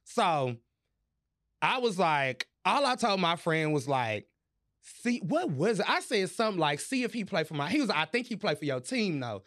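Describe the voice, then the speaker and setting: A man hosting a podcast, telling a story in casual chat, animated and profane, laughing as he goes. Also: high voice, moderate pace. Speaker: podcast host.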